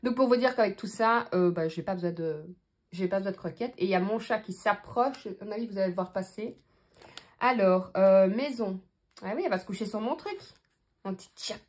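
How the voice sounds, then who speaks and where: A woman's voice: medium pitch, a little fast. Chatty Belgian woman budgeting aloud. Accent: Belgian French. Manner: chatty, thinks aloud while counting money, many fillers. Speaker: budgeting vlogger. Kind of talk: casual talk to camera.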